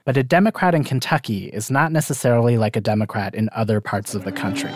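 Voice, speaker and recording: A man's voice: mid-range voice, quick pace. Conversational male podcast reporter. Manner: conversational, lightly self-deprecating. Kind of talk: narrated documentary storytelling.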